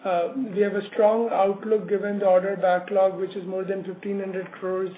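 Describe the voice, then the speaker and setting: A man presenting company results as an executive on a business call, halting often with many filler words. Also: high voice, flat delivery. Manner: halting, hesitant delivery with frequent filler words. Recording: narrowband phone line, roomy echo, slight noise.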